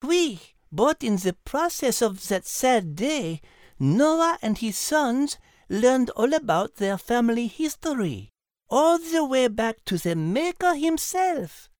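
A man voicing a brilliant, gentle female cat with a French accent, patiently explaining in a children's animal story. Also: very high-pitched, very animated, takes it slowly, dry recording, clean studio sound, voice pushed up, exaggerated voice. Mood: fond, approving.

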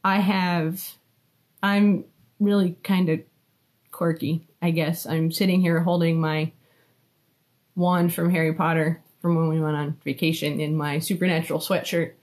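A woman's voice: sits low, level tone, a little slow, darkish tone. Dry, teasing woman in her thirties. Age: 30s. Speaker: guest, host's wife. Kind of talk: casual interview chat.

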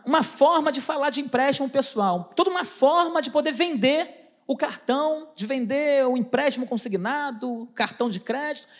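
High-voiced, animated woman giving a testimony. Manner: animated storytelling, acts out dialogue, stammering asides. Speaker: lay preacher giving a testimony. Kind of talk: testimony preaching.

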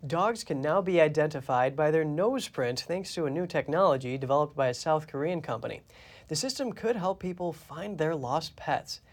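A man anchoring a news program, reading scripted news in a steady, clear way. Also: on the high side, moderate pace.

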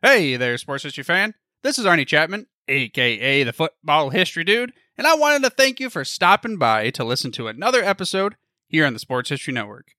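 A man's voice: fairly high pitch, sing-song, fairly quick, pushed and bright, dry recording, studio quality. A man hosting a podcast network spot, friendly and enthusiastic. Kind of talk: scripted network promo.

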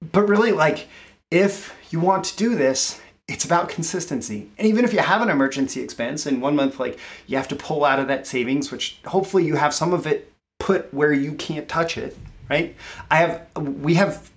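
A male host talks through money advice in a relaxed, off-the-cuff way. His voice sits in an ordinary middle register. He circles back over phrases, saying them again and again for emphasis. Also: medium pitch. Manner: conversational, repeats phrases for emphasis. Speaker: show host. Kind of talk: casual solo talk to camera about money.

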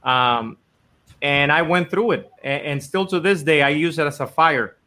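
A man from the Dominican Republic tells how his company began, earnest and rambling, with plenty of "you know"s. His voice is bright and forceful and sits a little high. He talks in the easy way of a guest in a casual interview. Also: normal speed. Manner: earnest, rambling with many fillers.

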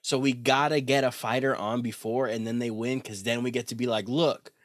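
A man's voice: mid-range voice, steady tone, a little fast, no echo, studio quality. A young man co-hosting a podcast, chatting loosely about fights with slang and swearing. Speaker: podcast co-host. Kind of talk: casual banter about fights.

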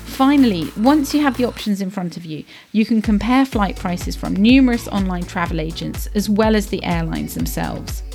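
A woman's voice: medium pitch, animated, normal speed, few pauses, darkish tone, soft background music. A woman in her thirties hosting a podcast, reading an introduction and sponsor message from a script. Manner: smooth, read from script. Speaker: podcast host, travel journalist.

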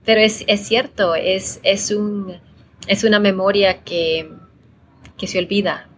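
A woman's voice: medium pitch, steady tone, slow pace, a little hiss or hum. Salvadoran-born woman, thoughtful and chatty. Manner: thoughtful, repeats words, frequent tag questions. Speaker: podcast producer and guest. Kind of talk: conversational interview.

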